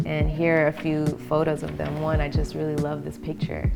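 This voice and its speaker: A woman's voice: low voice, completely flat delivery, moderate pace. A woman who grew up in Belgium, a writer and translator, speaking thoughtfully in a documentary interview. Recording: clear music underneath.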